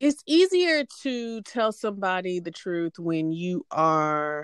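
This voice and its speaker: Recorded very cleanly against a silent background, a woman with an American accent speaks with very wide pitch swings. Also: dry, close sound with no echo. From Virginia, Hampton. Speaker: therapist. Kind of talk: interview. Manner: hesitant, many fillers.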